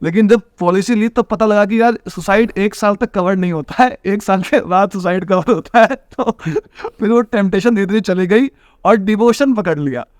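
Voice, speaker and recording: A man's voice: high voice, moderate pace, dry recording, clean studio sound. A man from Bihar, a trader and coaching teacher, earnestly giving advice as a guest in an interview. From Bihar, India. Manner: earnest, advice-giving, calls the host brother. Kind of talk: casual interview talk.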